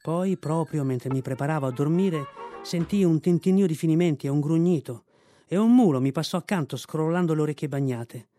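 A man reading a classic novel aloud in measured, clear storytelling narration, recorded in a radio studio. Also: fairly high pitch, dark tone. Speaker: reader. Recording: dry studio radio recording with faint music.

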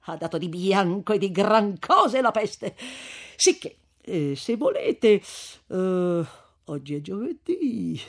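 A man's voice: sits high, sing-song, full character voice. A man voicing an elderly, timid country priest who hesitates and chuckles as he talks. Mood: relieved, chatty. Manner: chuckling, hesitant with drawn-out fillers. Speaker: parish priest.

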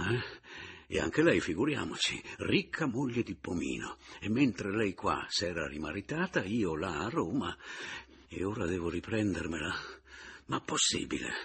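Male narrator, lower voice, raspy, lively intonation, dramatic novel reading. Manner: expressive, dramatic first-person reading. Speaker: audiobook reader. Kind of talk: literary audiobook narration.

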